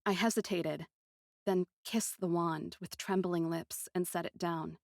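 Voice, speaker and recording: A woman narrating first-person fiction dramatically, with a deliberate, poetic, often hushed delivery. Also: fairly low pitch, fairly even intonation, dry recording, clean studio sound. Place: close, dry recording.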